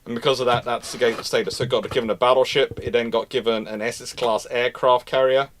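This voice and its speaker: A man's voice: mid-range voice, steady tone, quick pace, a little hiss or hum. A man talking casually as host of a live history discussion, rambling and often restarting his phrases. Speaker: host answering naval history questions.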